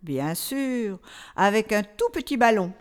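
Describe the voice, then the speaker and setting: A woman's voice: mid-range voice, animated, measured pace, natural voice. A woman playing a patient, easily flustered storyteller who coaxes a child along in a comic radio dialogue. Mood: patient, improvising. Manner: hesitant, coaxing, as to a child.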